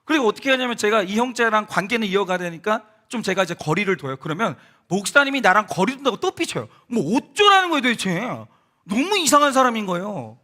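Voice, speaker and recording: A man's voice: high-pitched, fast. A male pastor giving a sermon in a conversational, storytelling way, speaking straight to the congregation and acting out the people in his stories. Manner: animated storytelling, acts out quoted voices; conversational, addresses congregation directly. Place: church sanctuary.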